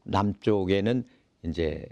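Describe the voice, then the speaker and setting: A man's voice: low-pitched, takes it slowly, gravelly, mellow, dry recording. A man hosting a casual interview, explaining things at a leisurely pace with many fillers. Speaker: interview host.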